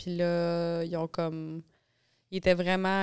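Her intonation is monotone and flat as the woman speaks at a fairly slow pace. The background stays quiet. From Quebec. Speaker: former inmate; podcast guest. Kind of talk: casual interview. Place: studio. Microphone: studio mic.

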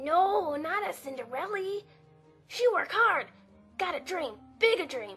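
A put-on character voice goes at a fairly slow pace with long, frequent pauses, and faint music plays in the background. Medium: dub.

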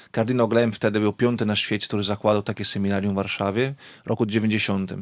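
A man with an Italian accent speaks at a moderate pace and fairly low pitch. The recording is very clean, with a silent background. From Italy, Veneto region near Venice. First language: Italian (speaking Polish). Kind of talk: radio interview. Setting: radio studio. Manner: hesitant, with fillers.

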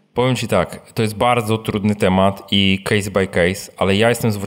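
The speaker is a man. His pitch is fairly low. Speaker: personal finance podcaster and blogger. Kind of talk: live audience Q&A answers. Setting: live meeting with audience. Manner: animated.

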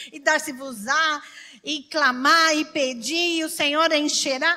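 A woman speaks in a raised, projected voice with a high pitch, ordinary pitch variation and a bright, sharp tone against a quiet background. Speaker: pastor. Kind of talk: sermon. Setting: church. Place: church. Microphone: handheld.

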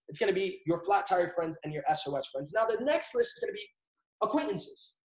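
Over a quiet background with audible room echo, a man speaks very fast in an animated tone, his high pitch making very wide swings. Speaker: network marketing trainer. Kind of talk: motivational training session; high-energy pep talk. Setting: live video call. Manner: loud, rallying, repetitive hype. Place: home room. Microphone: webcam.

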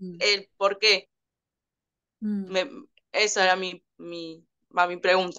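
Against a quiet background, a woman speaks at a very slow pace with fairly even intonation and long, frequent pauses. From Argentina. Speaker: belly dancer, audience participant. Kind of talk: audience question. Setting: video call. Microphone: video call.

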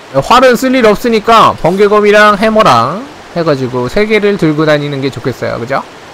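Animated and high-pitched, a man talks at a moderate pace with very wide pitch swings, over noticeable background noise. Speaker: game streamer. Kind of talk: live game commentary. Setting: live stream. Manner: animated, talks to himself and chat.

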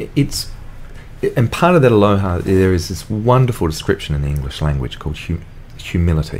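Over noticeable background noise, a man with an Australian accent speaks at a fairly quick pace with a very deep, low pitch and lively intonation. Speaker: surfer. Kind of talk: podcast interview. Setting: studio.

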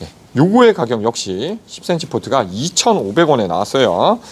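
This man's pitch swings very widely as he talks. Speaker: plant shop vendor and vlogger. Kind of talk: video vlog narration while walking market. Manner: animated, upbeat. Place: market. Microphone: phone near.

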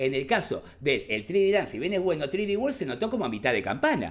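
With an Argentine accent, a man speaks at a fairly quick pace in a high pitch with very wide pitch swings. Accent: Argentine Spanish (Rioplatense). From Argentina. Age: 40s. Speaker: gaming youtuber; gaming streamer. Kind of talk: video commentary monologue.

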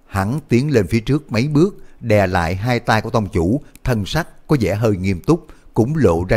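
A man speaks at a fairly slow pace over a quiet background. His pitch swings very widely. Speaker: audiobook narrator. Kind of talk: audiobook novel reading. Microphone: studio mic.

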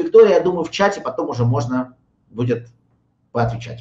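A man talks fairly quickly, and an audible room echo follows his voice. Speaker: webinar host and editor. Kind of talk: webinar moderation, interviewing experts. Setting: video call webinar. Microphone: video call.

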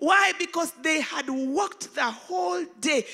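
Against a quiet background, a woman with a Kenyan accent speaks at a very slow pace, her pitch swinging very widely. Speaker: pastor; preacher. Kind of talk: sermon. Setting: church. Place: church. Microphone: handheld.

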